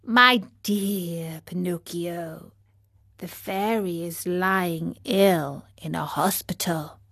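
A woman voicing a calm female snail who speaks slowly and softly. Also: mid-range voice, lightly acted. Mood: somber. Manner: slow, calm, hushed.

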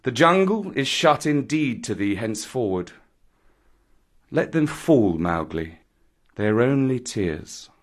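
A man voicing a calm, wise, fatherly panther in a storybook, with measured, consoling, archaic speech. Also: medium pitch. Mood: gentle, consoling. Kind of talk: storybook reading.

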